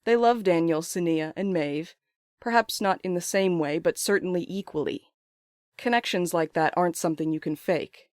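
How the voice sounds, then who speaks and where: A thoughtful, uneasy writer, voiced by an actor in an audio drama, with a mid-pitched voice recorded very dry. The delivery is measured and articulate, like a private letter read with literary care. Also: dry recording, natural voice. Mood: pensive, uneasy. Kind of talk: scripted first-person audio drama monologue.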